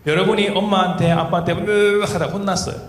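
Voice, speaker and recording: A man's voice: high-pitched, fairly even intonation, a little fast. A man giving a children's sermon in a church, storytelling and asking the kids questions. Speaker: children's pastor. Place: church hall. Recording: echoey hall, faint noise.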